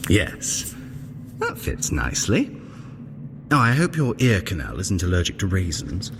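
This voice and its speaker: Sly trickster god, pompous, mock-innocent, wildly animated pitch, long hall reverb, audio drama. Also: male voice, measured pace, background noise, full character voice. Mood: sly, fussy. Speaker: guide of a training adventure.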